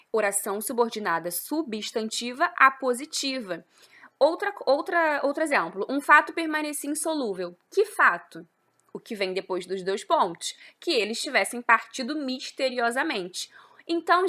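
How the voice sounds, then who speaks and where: A woman's voice: fairly high pitch, sharp tone. A woman teaching a grammar lesson, explaining step by step and asking and answering her own questions.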